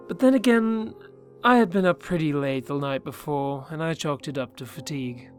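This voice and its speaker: Male horror narrator, fairly high voice, measured and hushed in the tense bits, faint music bed. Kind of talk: scripted horror story narration.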